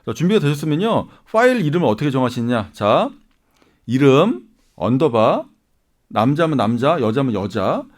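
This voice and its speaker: A man's voice: medium pitch, sing-song, normal speed. A man, an acting coach, giving casual advice to viewers and often checking in with rhetorical questions. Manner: chatty, asks listeners rhetorical questions. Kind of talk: casual YouTube advice talk.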